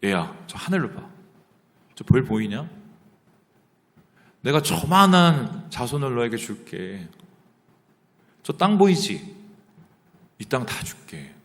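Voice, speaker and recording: A man voicing a gentle, fatherly God making a promise, speaking softly and low. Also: big pitch swings, slow, pauses often. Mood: tender. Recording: long church reverb.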